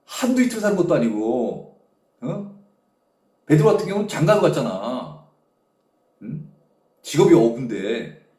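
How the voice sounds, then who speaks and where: A man's voice: medium pitch, moderate pace, long pauses. Guy preaching a sermon, keeps throwing "eh?" at the crowd, roomy reverb. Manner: animated storytelling, constant "eh?" prompts to the audience. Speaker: pastor. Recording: echoey room.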